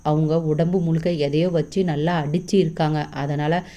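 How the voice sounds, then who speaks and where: A woman voicing a calm doctor giving a plain report on a patient. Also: low voice, moderate pace, close to an everyday voice. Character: calm matter-of-fact doctor. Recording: slightly dull lo-fi recording.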